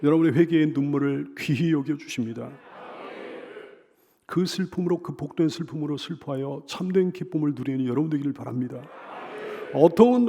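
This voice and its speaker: A middle-aged male pastor preaching a sermon, swinging from loud emphatic cries to soft hushed lines, with repeated pleading phrases. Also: fairly high pitch. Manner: leads the congregation in call-and-repeat.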